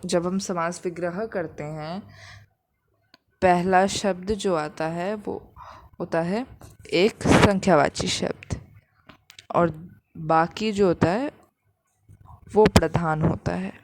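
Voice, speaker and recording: A woman's voice: on the low side, fairly even intonation, slow, darkish tone, slight background noise. A woman teaching a grammar lesson, patiently repeating each example and explaining it step by step.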